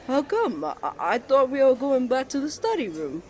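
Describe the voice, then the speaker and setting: A man's voice: extremely high pitch, huge pitch swings, normal speed, darkish tone, slight background noise, voice pushed up, heavily acted. A man playing a hot-tempered, easily flustered young twin brother in a romantic roleplay, stammering and indignant as he bickers. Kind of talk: romantic ASMR roleplay acting.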